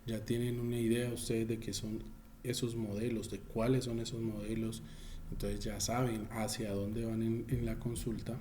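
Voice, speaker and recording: A man teaches a class over a video call, his voice mellow and dark. He restates each point patiently and calls on students by name. A faint hiss sits under the computer microphone. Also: lowish voice, flat delivery, normal speed. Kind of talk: online class explanation.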